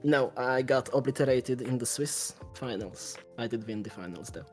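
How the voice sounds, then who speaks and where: A man from Slovakia whose first language is Hungarian, answering interview questions in a soft, hesitant way with frequent restarts. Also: medium pitch, moderate pace, over music. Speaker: guest, tournament champion. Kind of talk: interview over a call.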